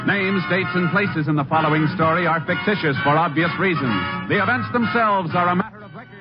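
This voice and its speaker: High-pitched American radio announcer over music. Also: male voice, fairly quick. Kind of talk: formal 1950s scripted radio announcing. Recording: dull radio recording under loud music.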